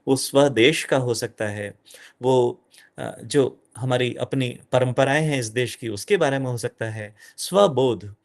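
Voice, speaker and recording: A middle-aged man giving an animated lecture to an audience as a guest speaker, dropping in English phrases. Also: medium pitch, a little slow, vocal fry.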